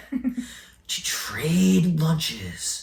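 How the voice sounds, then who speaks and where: This is a put-on character voice at a middle pitch. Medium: solo performance. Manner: heavy, sighing breaths.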